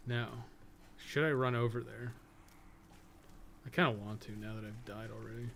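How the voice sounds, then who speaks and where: A man's voice: on the low side, fairly even intonation, moderate pace, vocal fry, fairly bright tone, a little hiss or hum. A man giving casual live gameplay commentary, rambling and thinking aloud in loose, sometimes profane language. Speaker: podcast co-host and gaming streamer.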